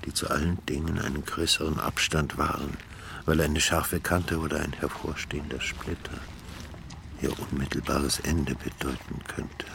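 Very deep gravelly male narrator. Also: fairly even intonation, normal speed, fairly bright tone, a little hiss or hum. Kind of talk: literary radio narration.

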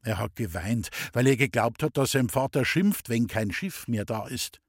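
A man reading a short story aloud in a lively, expressive storytelling manner. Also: medium pitch, normal speed, husky, no room sound, clean studio sound. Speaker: reader.

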